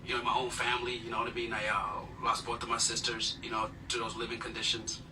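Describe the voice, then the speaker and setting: A man's voice: medium pitch, monotone, fast. A man from Uganda, a guest telling his life story in an earnest, humble way with many fillers. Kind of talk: personal storytelling interview. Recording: distant mic with noticeable noise.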